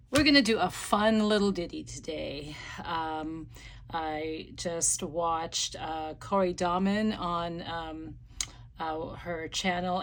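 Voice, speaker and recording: A woman hosting a casual crafting tutorial, losing her voice with a slight cough, rambling with many ums and restarts. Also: fairly low pitch. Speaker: craft channel host.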